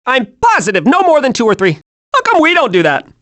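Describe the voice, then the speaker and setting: A hyperactive young male cartoon squirrel for a video game. His voice sits very high and swings wildly up and down. He is childlike, naive and scatterbrained, always eager and cheerful. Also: wildly swooping pitch, fast talker, a bit bright, full character voice. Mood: earnest, scatterbrained. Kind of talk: animated video game voice acting.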